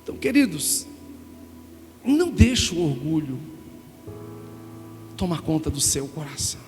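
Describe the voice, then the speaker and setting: A middle-aged Brazilian pastor preaches in a church sanctuary, telling an emotional story with animation and calling his listeners "gente." His Brazilian Portuguese accent comes through a voice that is a little high and a little slow, in a reverberant hall with music.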